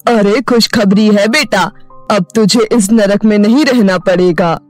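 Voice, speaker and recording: A woman voicing a kindly elderly father in a village, telling his daughter good news in an animated story. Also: mid-range voice, unhurried, dry recording, soft background music, natural voice. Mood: joyful. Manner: warm, fatherly and excited. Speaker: voice-over artist.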